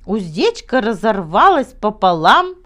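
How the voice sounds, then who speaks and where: A woman's voice: medium pitch, big pitch swings, a little slow, fairly bright tone. A woman voicing a proud old baron who tells tall tales in an earnest, self-important storybook manner. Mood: amazed, boastful.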